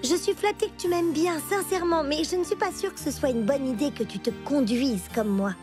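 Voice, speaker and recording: A woman's voice: high voice, fairly quick, music in the background, close to an everyday voice. A woman voicing a tart, vain little pest of a girl in a French cartoon dub, wry and theatrical. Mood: sincere.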